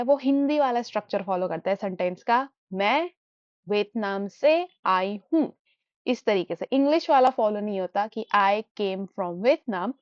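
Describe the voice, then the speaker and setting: A fairly high-voiced woman teaches a beginner language lesson, switching between Hindi and English as she explains. She says each new word slowly, two or three times over, like a classroom drill. The sound is dry and a little dull, with no room echo. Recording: dull, muffled dry recording.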